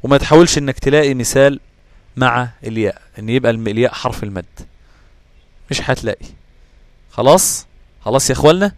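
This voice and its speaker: A man with an Egyptian Arabic accent explains Quran recitation rules to a class at a brisk, rapid clip. He keeps checking that his students follow and answers his own questions. The sound is dry and close, with almost no room echo. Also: mid-range voice. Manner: checks understanding with quick questions to listeners.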